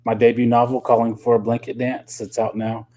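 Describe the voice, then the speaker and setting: A man's voice: medium pitch, completely flat delivery, brisk, darkish tone. A middle-aged man from Oklahoma, a novelist, talking loosely and thoughtfully in a radio interview, with many ums and you-knows. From Oklahoma, USA. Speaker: novelist guest.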